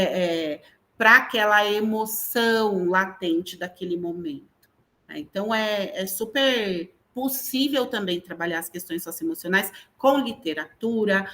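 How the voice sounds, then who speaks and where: A woman's voice: mid-range voice, fairly bright tone. A middle-aged woman with a Brazilian Portuguese accent, an educator talking animatedly as an interview guest and often checking in with tag questions. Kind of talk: conversational interview talk.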